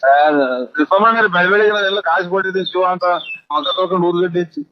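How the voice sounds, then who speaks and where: Rural comic man, pleading and flustered, slightly high voice, muffled dry lo-fi sound. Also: steady tone, very fast, background noise. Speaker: comedy performer. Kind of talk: rural prank-call comedy dialogue. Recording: dull lo-fi dry audio.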